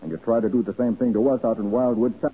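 A man's voice: mid-range voice, fairly even intonation, quick pace, breathy edge, lightly acted. An American man playing a shrewd, self-assured private detective in a 1940s radio drama, explaining things with confident showmanship. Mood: accusing. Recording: muffled, noisy 1940s radio recording.

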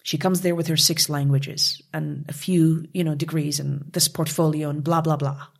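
A woman's voice: low voice, steady tone, moderate pace, vocal fry. A woman from Canada, speaking passionately and emphatically as an interview guest. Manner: passionate, emphatic, with rising outbursts. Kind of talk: conversational interview.

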